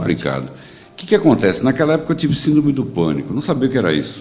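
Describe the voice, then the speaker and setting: A man's voice with very wide pitch swings. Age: 70s. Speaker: businessman and podcast creator. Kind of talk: interview.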